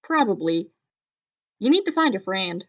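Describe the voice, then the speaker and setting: A woman's voice: medium pitch, very animated, a little slow, fairly bright tone. A woman acting a puzzled, anxious young woman in an audio drama. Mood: hopeful. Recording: slightly dull microphone.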